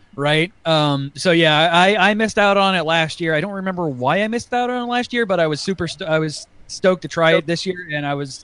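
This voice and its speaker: A man's high, bright, sharp voice at a very fast pace with hardly any pauses, ordinary pitch variation and a quiet background. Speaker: podcast host. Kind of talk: casual banter podcast. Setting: video call.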